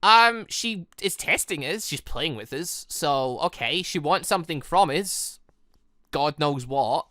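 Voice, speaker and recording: Gaming host, casual playthrough commentary, very lively pitch, excitable and rambling, close dry sound. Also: a little slow, no echo. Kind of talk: casual game playthrough commentary, reading dialogue aloud.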